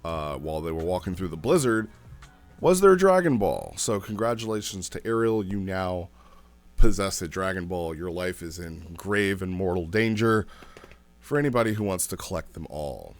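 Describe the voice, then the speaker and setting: A man's voice: low voice, lively intonation, moderate pace, soft background music. A man giving a casual, unscripted review as a host, rambling a little and thinking aloud as he goes. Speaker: host reviewing roleplay logs.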